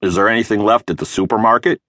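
A man's voice: on the low side, fairly even intonation, quick pace, sharp tone, no echo, clean studio sound. Man voicing a wry joking dad. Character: joking easygoing father.

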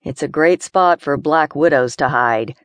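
A woman voicing an easygoing, teasing young man from the countryside who stays calm. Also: low-pitched, measured pace, dry recording.

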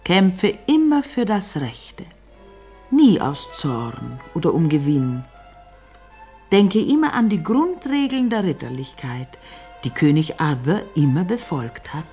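A proud mother in a radio play, with a low voice and expressive swings in pitch. She instructs her young son solemnly and in measured phrases. Faint music plays along. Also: heavily acted. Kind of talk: German radio play acting.

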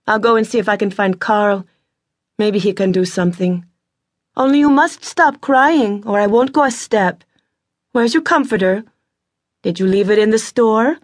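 A woman voicing an earnest, capable young farm woman who speaks firmly, a little higher than her narrating voice. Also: normal speed, no echo, studio quality, lightly acted. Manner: firm, earnest, slightly raised voice.

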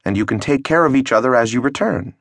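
A man's voice: mid-range voice, animated, fast talker, fairly bright tone, no echo, studio quality. A man voicing an earnest village priest who speaks in a reasoning way.

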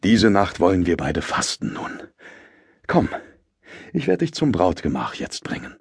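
Bossy hot-tempered master in a comedy audio play, kinda husky, takes his time, insults then fake sweet. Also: sits low, huge pitch swings, measured pace, heavily acted. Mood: grimly cajoling. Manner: barking insults, switching to mock-sweet coaxing. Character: loud, choleric master bullying servants and bride. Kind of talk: theatrical classical comedy audio drama.

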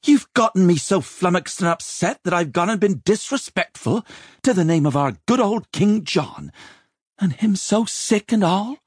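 A man's voice: high voice, expressive, moderate pace, breathy edge, dry recording, clean studio sound, voice pushed up. A man voicing a cross, exasperated older head chambermaid who barks and scolds in a storybook reading. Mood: flustered, cross. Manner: barking, exasperated, dramatic swoops. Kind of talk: audiobook character voice.

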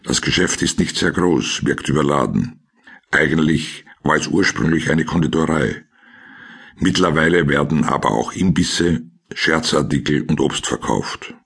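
Ein Mann mit österreichischem Akzent und rauer Stimme, der sachlich und trocken die Szenen eines Krimi-Hörspiels erzählt. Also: male voice, very deep voice, measured pace, a bit bright. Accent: Austrian. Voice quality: gravelly, husky. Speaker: narrator of a crime audio drama. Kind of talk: scripted scene narration in present tense.

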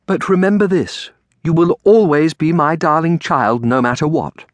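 Man voicing a tender, high-pitched storybook aunt. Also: normal speed, dry recording, close to an everyday voice. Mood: tender, fervent. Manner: gentle, fervent, hesitant. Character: tender, sorrowful, reassuring grown woman, a devoted aunt.

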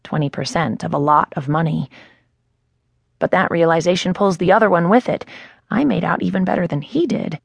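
A woman's voice: on the low side, normal speed, gravelly, breathy edge, no echo. A woman narrating a first-person novel in a wry, conversational way on a close studio mic. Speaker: audiobook narrator. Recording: dry studio booth.

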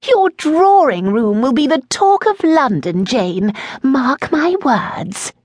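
A woman's voice: high-pitched, sing-song, takes it slowly, darkish tone, no echo, voice pushed up, heavily acted. A woman voicing an effusive older society lady who talks in gushing exclamations. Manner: gushing, exclamatory, breathless enthusiasm.

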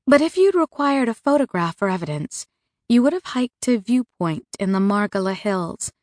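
A woman reading a first-person novel aloud as an audiobook narrator, in a measured, even storytelling manner. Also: medium pitch, no room sound, studio quality. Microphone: close studio mic.

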